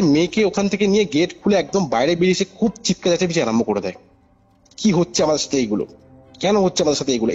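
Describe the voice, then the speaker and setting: Slightly high in pitch, dark in tone and a bit breathy, this caller narrates a paranormal case with animated informality. He repeats phrases, presses his points and makes sure he's being followed, over a muffled phone connection with music behind.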